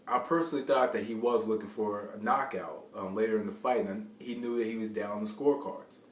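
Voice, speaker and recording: A man giving informal, unscripted boxing commentary in a rambling, halting way, often repeating phrases as he restarts. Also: on the low side. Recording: roomy, distant mic, faint background noise.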